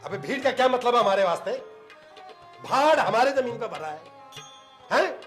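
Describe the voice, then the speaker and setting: A man's voice: very high-pitched, very animated, moderate pace, fairly bright tone, faint music behind, heavily acted. A man playing a haughty, exploitative village landlord in a rural drama, with bossy, coarse rustic speech. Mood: indignant. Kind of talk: Hindi rural period drama acting.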